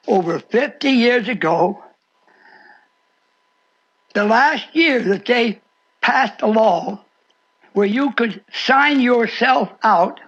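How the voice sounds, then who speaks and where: An elderly preacher in his eighties delivers a folksy storytelling sermon in a very high, husky, slightly bright voice. He is theatrical, acting out dialogue and repeating phrases for emphasis. The sound is muffled and dull, like lo-fi shortwave radio.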